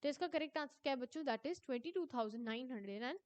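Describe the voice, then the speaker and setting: A young woman teacher going through an exam paper, reading each question slowly and then explaining quickly in Hindi mixed with English, calling her students children. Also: high-pitched, expressive, no echo. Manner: addresses students as children, ends answers with a falling tone.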